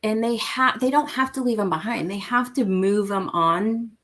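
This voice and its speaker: A woman's voice: mid-range voice, normal speed, fairly bright tone. A woman from Mexico, a parent of an autistic son, talking earnestly as a guest in a casual interview and repeating her key points for emphasis.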